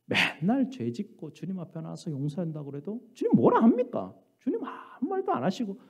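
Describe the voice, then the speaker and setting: Lively, dark-toned preaching man. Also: high-pitched, a little fast, slightly rough. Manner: earnest preaching with many rhetorical questions. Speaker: pastor. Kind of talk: sermon. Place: church sanctuary. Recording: dull lo-fi church recording.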